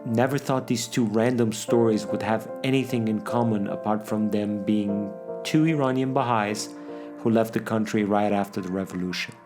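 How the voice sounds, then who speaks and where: A man narrates a documentary in a measured, explanatory way. His voice sits somewhat low. Loud music plays beneath him throughout. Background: loud background music.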